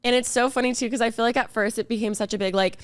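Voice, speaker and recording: A young woman co-hosting a podcast, chatting effusively while fighting a cold that leaves her voice a bit raspy. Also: a little high, fairly even intonation, racing, no room sound, studio quality. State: has a cold, slightly raspy voice. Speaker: podcast co-host. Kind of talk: casual chat.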